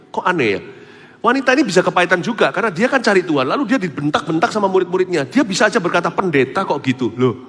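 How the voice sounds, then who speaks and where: A man preaching a sermon as pastor, animated, swinging between loud exclamations and soft asides. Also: high-pitched. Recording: preaching hall with long reverb and faint music.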